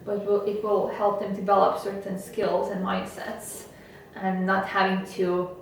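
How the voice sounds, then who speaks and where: Even-toned woman, native Estonian speaker. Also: medium pitch, measured pace. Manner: earnest, motivational, steady and even. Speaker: guest. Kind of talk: interview conversation. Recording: echoey room, from a distance, faint noise.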